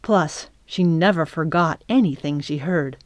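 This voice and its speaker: A woman narrating a children's chapter book in a calm, measured reading. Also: deep voice, dry recording. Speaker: audiobook narrator. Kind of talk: scripted narration.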